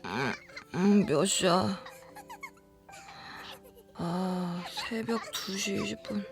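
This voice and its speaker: An actress playing a young office worker who recounts an eerie experience in a conversational way, in a horror audio drama. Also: female voice, on the high side, faint music behind. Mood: drowsy, puzzled. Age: young adult. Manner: conversational, animated narration with drawn-out murmurs and whispers.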